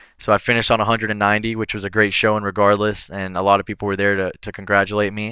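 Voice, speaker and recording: A man's very fast, monotone delivery with an American accent, bright and sharp in tone, on a very clean recording with a silent background. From Florida, USA. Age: young. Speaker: competitive clay target shooter. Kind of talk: podcast interview answer.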